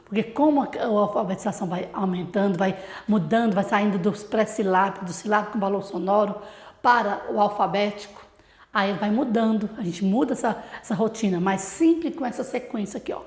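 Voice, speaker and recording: A woman's voice: mid-range voice, brisk, darkish tone, echoey room. A woman literacy teacher with a Brazilian accent, explaining a classroom routine to other teachers and asking rhetorical questions.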